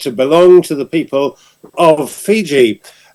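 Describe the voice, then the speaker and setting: Here a man speaks with a fairly high pitch. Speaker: professor. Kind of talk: panel discussion. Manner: loud; halting.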